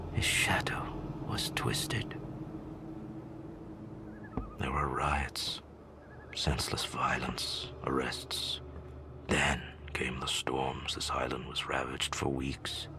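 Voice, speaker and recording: An actor playing a weary, regretful old tribal man in a video game, speaking gravely in a gravelly, breathy voice. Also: a bass voice, steady tone, in a whisper, heavily acted. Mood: haunted. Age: older. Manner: slow, somber storytelling. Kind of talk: video game cutscene monologue.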